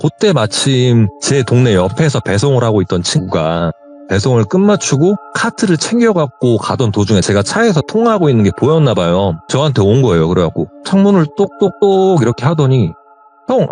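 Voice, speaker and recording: A man's voice: big pitch swings, a little fast, darkish tone, soft background music. A man casually telling a true scary story from his own life, acting out the quoted lines of the people in it. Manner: acts out quoted dialogue, shifting pitch.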